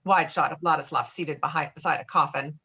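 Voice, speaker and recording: A woman's voice: deep voice, steady tone, brisk, vocal fry, pushed and bright, breathy edge, dull audio. A woman reading screenplay directions aloud at a table read in clipped, descriptive phrases. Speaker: stage directions reader.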